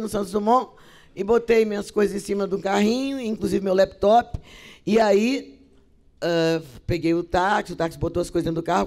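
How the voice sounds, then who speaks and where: A middle-aged Brazilian woman, an actress and poet, telling stories to theater students and acting out the voices in each exchange. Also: mid-range voice. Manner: acts out dialogue with shifting voices, expressive and theatrical. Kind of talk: lively storytelling talk.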